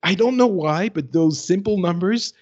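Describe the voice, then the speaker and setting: A man's voice: high voice, normal speed, darkish tone, highs cut off. A man co-hosting a casual gaming podcast, thinking aloud in a hesitant way. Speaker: podcast co-host.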